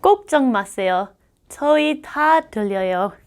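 A middle-aged American woman whose first language is English, teaching grammar on a video lesson and drilling words slowly and carefully. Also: on the high side, animated. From United States.

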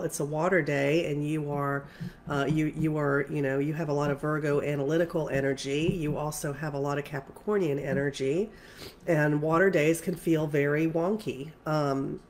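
A woman's voice: deep voice, a little mellow, slight background noise. A woman spiritual coach who is congested, talking casually and rambling with many fillers and restarts. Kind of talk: casual spiritual talk to camera.

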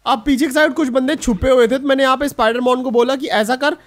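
A young man narrating his own gameplay in a chatty, excited voice-over, talking straight to his viewers. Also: extremely high pitch, fast talker. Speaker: gaming YouTuber.

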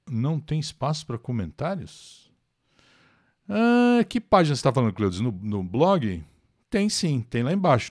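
Teaching English live, an older man with a Brazilian Portuguese accent speaks in a mid-range voice that swings up and down with lots of animation. The audio is close and dry, without echo, as he patiently explains and answers viewers by name.

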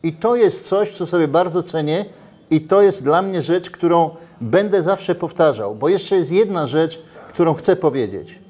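A man's voice: a little high, measured pace. An older man in a casual interview, talking animatedly with many restarts, recorded on a lapel mic in a brick-walled restaurant. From Poland. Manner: animated, gestures while talking, frequent restarts. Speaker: interviewee, former footballer.

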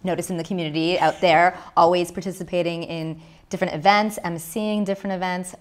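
Soft-spoken woman interviewer, low voice. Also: steady tone, fairly quick. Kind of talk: sit-down interview. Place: living room set indoors.

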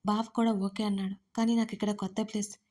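A woman's voice: medium pitch, flat delivery, dark tone, close to an everyday voice. A woman narrator voicing a bubbly, newly married young woman in an audio story. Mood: lively. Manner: bubbly and quick to protest.

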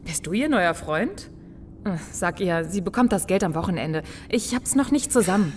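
An actress playing a blunt, guarded young machinist in a sci-fi audio drama, speaking colloquially with some hesitation. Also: female voice, fairly low pitch, animated, moderate pace, a little hiss or hum, close to an everyday voice. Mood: wary, annoyed. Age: young adult. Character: young working-class woman machinist, casual, blunt, guarded.

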